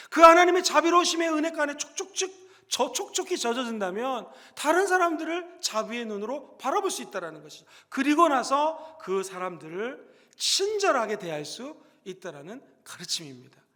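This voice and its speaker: A young man with a Gyeongsang Korean accent, preaching a sermon as pastor, emphatic and at times rising to loud exhortation. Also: extremely high pitch, long reverb tail. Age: young adult.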